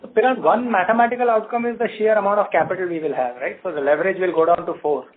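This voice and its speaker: High-voiced man on a phone line. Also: a little hiss or hum. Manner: measured, numbers-focused explanations. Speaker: bank executive answering analysts. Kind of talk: earnings call answers. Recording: telephone conference line.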